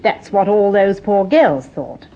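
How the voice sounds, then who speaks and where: A woman's voice: medium pitch, animated, takes it slowly, mellow. An actress playing a protective working-class British mother, emphatic and obliging, in a radio drama. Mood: warning. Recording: dull, noisy vintage radio recording.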